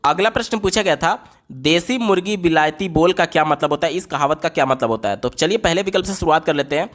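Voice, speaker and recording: High-voiced man tutoring through exam questions. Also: animated, quick pace, a bit bright. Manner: explains step by step, often repeating "ye galat ho gaya". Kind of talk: exam paper walkthrough.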